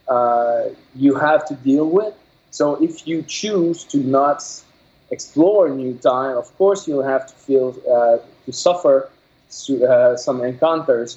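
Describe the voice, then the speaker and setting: Halting Québécois French-accented man, muffled. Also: medium pitch, warm tone. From Quebec, Canada. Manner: halting, many fillers and restarts while searching for words. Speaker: game developer guest. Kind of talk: casual interview. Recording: dull lo-fi audio.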